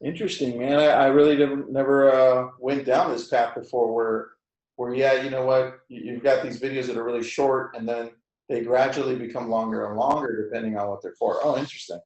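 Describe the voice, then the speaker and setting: A man's voice: mid-range voice, steady tone, a little fast, darkish tone, muffled recording. A man hosting a casual group webinar chat in an informal, laid-back way. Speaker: host of a group discussion. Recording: echoey room.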